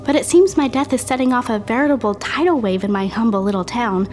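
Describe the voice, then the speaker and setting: An actress playing a wry dead daughter who narrates an audio drama in a confiding way. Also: female voice, on the high side, fast, a little mellow, natural voice. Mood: wry, wistful.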